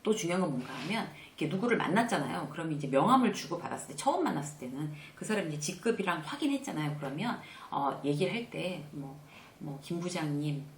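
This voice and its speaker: Lively woman lecturer in a roomy room. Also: quick pace, hardly any pauses, a little hiss or hum. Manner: lively, acts out sample greetings in a bright higher voice. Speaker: workplace lecturer and channel host. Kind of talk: casual spoken lesson on workplace manners.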